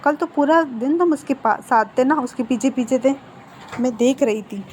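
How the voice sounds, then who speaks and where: An insistent middle-aged mother talks her son round in a persuasive, scolding way, in a storybook retelling, as a woman reads her out. Her voice is high and mellow, with a faint hiss behind it. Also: normal speed, close to an everyday voice.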